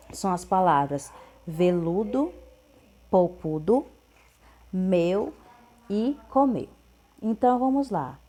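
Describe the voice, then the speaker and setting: Teacher lady going over grammar exercises, slow and patient, kinda low voice. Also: warm tone. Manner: patient, repeats answers slowly and clearly. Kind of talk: correcting workbook exercises.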